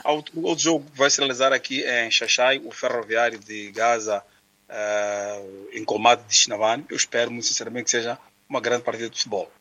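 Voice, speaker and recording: Bright-toned sports commentator. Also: male voice, mid-range voice, flat delivery. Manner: measured explaining with hesitations. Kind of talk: radio sports debate.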